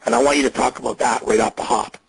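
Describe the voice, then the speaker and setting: A man on a recorded jail payphone call, coaching and reassuring the caller in a profane, steady way. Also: medium pitch, quick pace, gravelly, husky, rough recording. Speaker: agent on a phone call.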